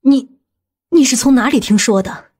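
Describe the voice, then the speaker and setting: A woman playing a stern, commanding woman from a powerful family in an audiobook drama, speaking gravely and deliberately. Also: high-pitched, a little mellow. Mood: stern, secretive.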